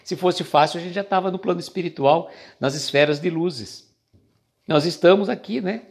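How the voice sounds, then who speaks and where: A man with a Brazilian Portuguese accent who reads passages from a spiritual book slowly, then explains them in a casual chatty way. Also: high-pitched, gravelly, husky. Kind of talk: casual reflective reading and commentary.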